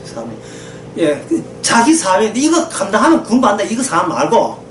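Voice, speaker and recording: A woman preacher with a high voice delivers an emphatic sermon, swinging widely in pitch as she pushes rhetorical questions at her listeners. She is recorded from some distance in an echoey room with faint ambience behind her. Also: slight background noise. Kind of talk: sermon lecture.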